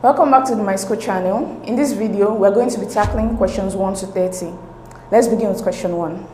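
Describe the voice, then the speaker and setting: A woman's voice: mid-range voice, a little fast, a little mellow, faint music behind. A woman hosting an exam-prep lesson. She reads each question aloud, then walks steadily through the options. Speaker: teacher and channel host. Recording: echoey room.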